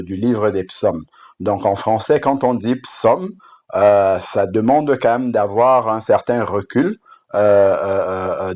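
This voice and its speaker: Halting low-voiced man. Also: darkish tone. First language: Bamoun. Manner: halting, with frequent fillers and restarts. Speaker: app creator presenting his Bible app. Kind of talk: unscripted screen-demo presentation. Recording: dull lo-fi sound.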